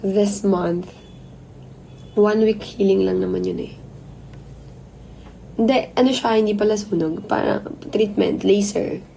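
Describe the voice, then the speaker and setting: A hoarse woman hosting a casual live stream into her phone, chatting affectionately with viewers and mixing Tagalog with English. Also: mid-range voice, slow, pauses often, dark tone, slight background noise, rough recording. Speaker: livestream host.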